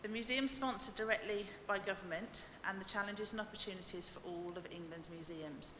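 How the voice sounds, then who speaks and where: A woman museum learning officer presents to councillors, friendly and a little nervous. Her voice is bright and forward. The room is echoey, with a long reverb tail and faint room hum. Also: mid-range voice, a little fast. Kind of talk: presentation to a committee. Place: council chamber. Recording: echoey chamber webcast.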